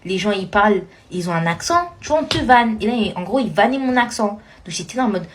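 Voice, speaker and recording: A woman from France telling a funny personal story in lively, slangy casual speech. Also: mid-range voice, brisk, slight background noise.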